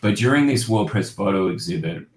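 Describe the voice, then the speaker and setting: Deep-voiced man, roomy sound. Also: expressive, fairly quick. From Australia. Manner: rambling, reflective, many fillers and restarts. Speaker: guest photojournalist. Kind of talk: casual interview storytelling. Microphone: video call. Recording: roomy home-office echo.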